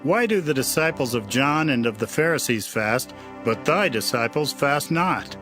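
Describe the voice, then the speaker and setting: A man's voice: medium pitch, expressive, normal speed, close to an everyday voice. A man playing a puzzled, challenging disciple in a dramatized scripture reading. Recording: music behind the voice.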